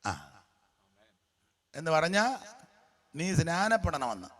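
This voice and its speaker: A male pastor preaching a lively, colloquial sermon, speaking straight to his listeners and repeating each verse after the reader. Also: on the high side, slow. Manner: animated, talks directly to listeners.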